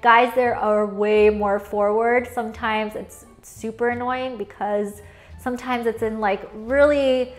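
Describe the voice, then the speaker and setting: A young woman with a fairly high voice talks straight to the camera in a relaxed, chatty way. She laughs often and leans on fillers. She sounds like she's seated in a living room, a little way from the mic. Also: unhurried. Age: young adult. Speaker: vlogger living abroad. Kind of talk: casual talking-head vlog.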